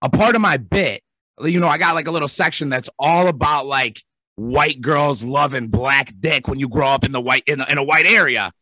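A man's voice: medium pitch, normal speed, sharp tone, no room sound, poor audio. A man co-hosting a podcast, talking bluntly and profanely in casual chat. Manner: blunt, profane, says "bro" a lot.

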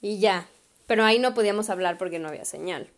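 A woman's voice: medium pitch, fast talker. Slangy Mexican woman telling a story. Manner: chatty and slangy, with frequent swearing. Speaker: podcast host. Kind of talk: casual storytelling.

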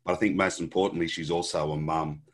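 A man hosting a podcast, chatting relaxed with a guest over a video call, often repeating words. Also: low-pitched, quick pace. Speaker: podcast host. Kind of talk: casual interview chat.

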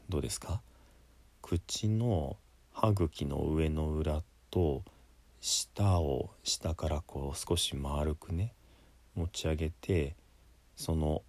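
A man with a low, dark voice who speaks very slowly and deliberately, as a Buddhist priest chanting and then explaining pronunciation. His delivery is measured, with frequent fillers, and the recording is dry and close. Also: no echo. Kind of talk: chanting, then spoken lesson.

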